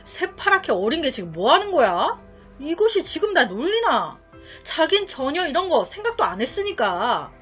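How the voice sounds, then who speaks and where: A woman's voice: high voice, a bit bright. A woman telling a crime story in a chatty way, with rhetorical questions and asides on what happens.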